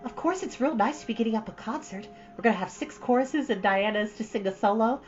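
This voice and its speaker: A woman's voice: a little high, fast talker, lo-fi sound, soft background music, voice pushed up, lightly acted. A woman voicing an eager, dramatic young girl from a storybook, gushing breathlessly and theatrically. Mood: pleading, excited. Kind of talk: storybook character voice.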